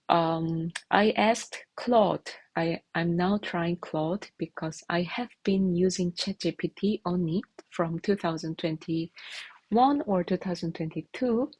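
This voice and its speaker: A woman in her thirties whose first language is Korean, a software engineer talking through her development process in a halting, hesitant way. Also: fairly low pitch, vocal fry, husky, dry recording, low-quality recording. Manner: hesitant, halting, restarts often. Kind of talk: casual devlog narration.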